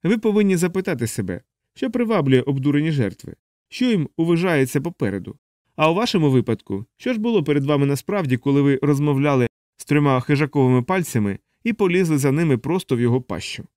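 A man's voice: fairly high pitch, big pitch swings, quick pace, darkish tone, no echo, studio quality, voice pushed up. A man voicing a fussy male alien helper who lectures at length, in an audiobook. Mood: lecturing. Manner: didactic, explaining at length. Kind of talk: audiobook character voice.

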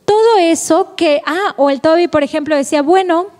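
A woman's voice: high voice, brisk, darkish tone. A woman giving a Catholic formation lecture. She is playful, laughs often and asks rhetorical questions. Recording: echoey hall, long reverb.

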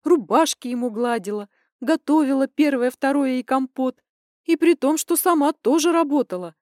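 A woman voicing a hot-tempered young adult daughter, indignant and shouting at her parents. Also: sits high, moderate pace, dry recording, clean studio sound, voice pushed up, natural voice.

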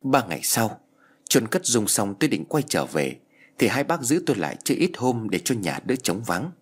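A man narrating a ghost story in a slow, grave storytelling voice. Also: fairly low pitch, big pitch swings, husky.

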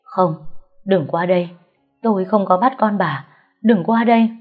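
A woman's voice: measured pace, phone-quality sound, soft background music, natural voice. A woman reader voicing a panicked older woman who cries out in terror at an imagined ghost. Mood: terrified. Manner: shrill, pleading cries.

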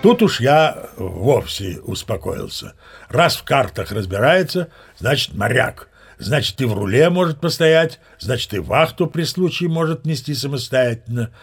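Gravelly old sea captain storyteller. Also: male voice, medium pitch, sing-song, unhurried, full character voice. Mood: chatty, self-assured. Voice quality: gravelly, husky. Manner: folksy, conversational, addressing listeners. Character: old sea captain spinning tall tales, self-assured, excitable. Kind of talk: dramatised storytelling in an audio play.

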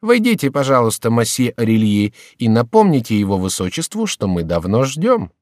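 A man's voice: mid-range voice, sing-song, moderate pace, darkish tone, no room sound, clean studio sound, close to an everyday voice. A man voicing an insolent young male courtier in a storybook reading, speaking smugly and drawling.

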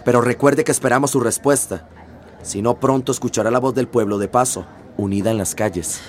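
An actor playing a pushy, sarcastic citizens' committee leader confronting the mayor in a radio drama. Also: male voice, medium pitch, a little fast, close to an everyday voice. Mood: indignant.

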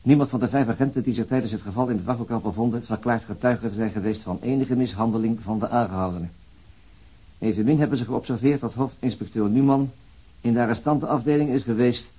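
Police bureaucrat reading a report, flat official wording, dark raspy voice, radio drama. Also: male voice, on the low side, low-quality recording.

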